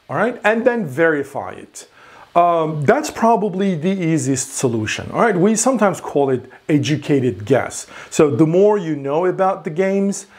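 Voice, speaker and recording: A man in his forties lectures in front of a whiteboard, his voice sitting a little high for a man. He explains patiently, stumbling and restarting words as he thinks, and keeps checking in with his listeners. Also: a little mellow. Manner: explanatory, repeats words while thinking, frequent "all right?" checks.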